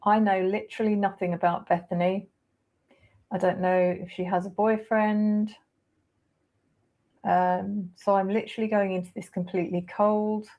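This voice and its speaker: A woman hosting a live tarot stream, laying out cards and thinking aloud with hesitant pauses. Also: mid-range voice, level tone, dark tone, highs cut off. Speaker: tarot reader host.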